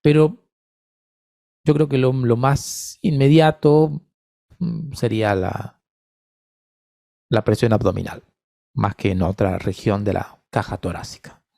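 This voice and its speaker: A man's voice: mid-range voice, steady tone, takes it slowly, gravelly, pauses often, dark tone, no room sound, studio quality. A man lecturing in an online course on voice therapy, patiently answering attendees' questions by name.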